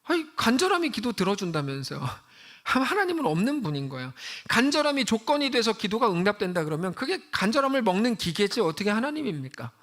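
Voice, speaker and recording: A woman's voice: medium pitch, very animated, brisk, a bit bright. A woman pastor giving a conversational sermon in a church and asking her listeners one rhetorical question after another. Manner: conversational, asks the congregation many rhetorical questions.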